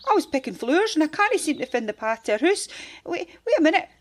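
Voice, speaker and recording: Woman as small girl, high childlike voice, Scottish accent, naive, wide-eyed, storybook heroine. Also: sing-song, quick pace, slight background noise. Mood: wary.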